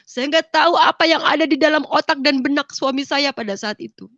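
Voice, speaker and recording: A woman's voice: sits high, fairly quick, fairly bright tone, dry recording. Tearful woman giving a church testimony. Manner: addresses listeners as "saudara", voice breaking with grief. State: tearful, sniffling. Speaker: testimony speaker. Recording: dull lo-fi dry recording.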